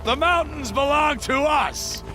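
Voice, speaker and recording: A vengeful tribal warrior in a video game, furious and bellowing. The threats come slowly in a very high, strained pitch over music. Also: male voice, poor audio.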